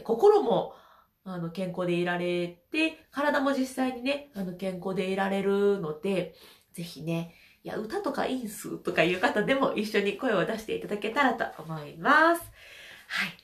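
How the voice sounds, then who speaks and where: A woman's voice: mid-range voice, echoey room. A woman with a stuffy nose from hay fever, leading a casual voice lesson, chatty and laughing often. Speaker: voice trainer.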